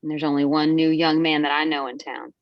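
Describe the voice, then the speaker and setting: A woman's voice: deep voice, little pitch movement, fairly quick, no room sound, lightly acted. A woman playing a blunt, suspicious, protective coal-town mother in a screenplay table read, heard through a dull microphone. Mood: accusing.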